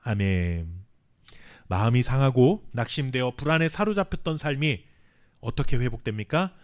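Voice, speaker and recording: A Korean pastor preaching a sermon with earnest emphasis and dramatic pauses, sometimes reading scripture slowly. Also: male voice, medium pitch, animated. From South Korea. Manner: reads scripture aloud slowly with the congregation.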